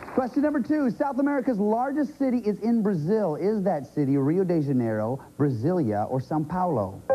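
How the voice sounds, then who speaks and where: Over faint music in the background, a man speaks with hardly any pauses. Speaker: game show host. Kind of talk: game show hosting. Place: studio. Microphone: handheld.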